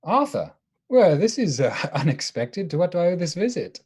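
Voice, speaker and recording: A man playing an earnest, somewhat awkward gentleman diarist in a live radio play, formal in speech. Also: high voice, big pitch swings, breathy edge, heavily acted. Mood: surprised, courteous. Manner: formal, halting when flustered.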